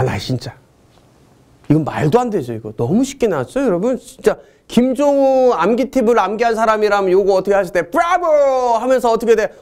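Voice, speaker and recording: A middle-aged man teaching a history exam-answer lecture, joking and chatting with his students between questions. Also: sits high. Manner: jokey, excitable, chatty asides to students.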